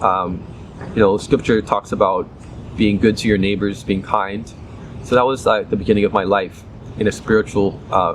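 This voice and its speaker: A man with an American accent speaks at a fairly low pitch in a monotone, flat intonation. His loudness stays very even, broken by long, frequent pauses. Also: moderate pace. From Maryland, USA. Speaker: spoken word poet and DJ. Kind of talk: interview answer.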